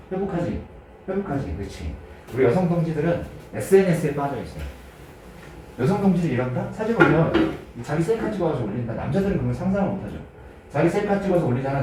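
Male teacher, lively classroom lecturer who banters and quizzes students; warm dark voice, roomy echo. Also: a little high, slight background noise. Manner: jokey, teasing, quizzes students in casual speech. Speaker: English grammar teacher.

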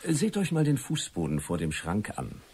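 An actor in a German radio play playing a confident crime writer who explains things deliberately and theatrically. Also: male voice, lowish voice, wildly swooping pitch, darkish tone, slight background noise. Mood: musing, dramatic. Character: confident crime writer laying out his theory methodically.

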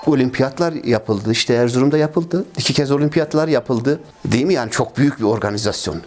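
A man's voice: medium pitch, fairly quick, darkish tone, soft background music. A man in his fifties, a ski club president, answering interview questions earnestly, complaining at length, with many fillers and repeated phrases, recorded on a lapel mic in a trophy-filled office. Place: office with trophies and flags, indoors.

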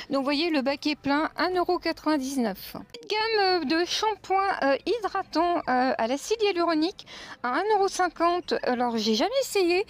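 Female shopping vlogger, high voice, casual and chatty, phone-recorded in a store aisle. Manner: chatty, addresses viewers as girls, many fillers.

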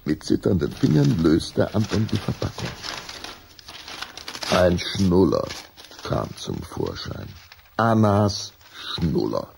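A man narrating a children's radio play as a measured, solemn storyteller with a raspy voice. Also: low-pitched, very animated, a little mellow, a little hiss or hum, exaggerated voice. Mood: measured, eerie. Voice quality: raspy, gravelly.

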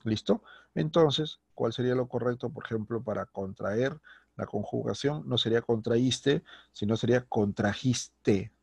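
A man's voice: mid-range voice, unhurried, creaky, darkish tone, husky, no room sound. A male teacher giving a grammar lesson with a Peruvian Spanish accent, patient and repetitive, often checking in with his students. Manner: patient, repeats words and checks with "¿ok?" and "¿listo?".

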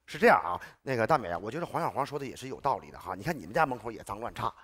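A man playing an excitable neighbour in a sitcom sketch who rants in circles. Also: medium pitch, racing, husky. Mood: placating. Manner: repetitive ranting, then mock-calm lecturing.

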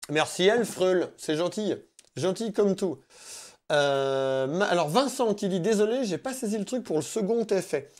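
A man's voice: high-pitched, lively intonation, moderate pace, a little mellow. A man giving a live-streamed guitar lesson, thanking viewers by name in a friendly way and explaining licks as he plays. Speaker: guitar teacher. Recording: faint guitar music behind. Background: electric guitar playing.

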